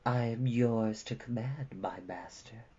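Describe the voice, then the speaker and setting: A narrator voicing a scheming sorceress who feigns humility in a slow, hushed, ingratiating manner. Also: mid-range voice, muffled recording, pitched below the performer's own voice, natural voice. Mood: submissive. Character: scheming sorceress feigning humble, silky submission.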